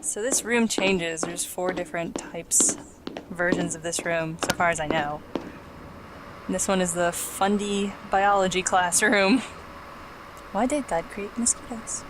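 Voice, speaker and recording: Low-voiced woman joking over gameplay. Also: measured pace, very noisy. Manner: joking, laughs often. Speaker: let's play commentator. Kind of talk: casual gameplay commentary.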